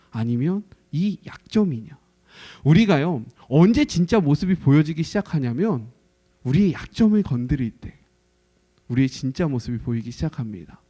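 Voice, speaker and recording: Guy in his 30s preaching, big swings in his voice up and down, goes all quiet and whispery to hit a point. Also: medium pitch. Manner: emphatic, sinks to a hushed whisper for stress. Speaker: pastor. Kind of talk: sermon to church teachers.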